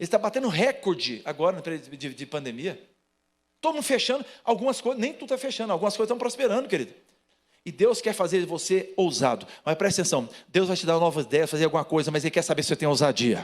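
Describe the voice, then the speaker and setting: Very fast and animated, a high-pitched man swings very widely in pitch. The recording is very clean, with a silent background. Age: 60s. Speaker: pastor. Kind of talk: sermon. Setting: church.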